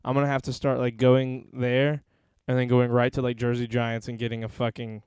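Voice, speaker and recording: Young guy cohosting a podcast, swears a lot, laughs a lot, smooth clear voice, dry sound. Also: medium pitch, no room sound. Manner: profane, laughs often, fast and animated. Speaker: podcast co-host. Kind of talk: casual chat reading live chat.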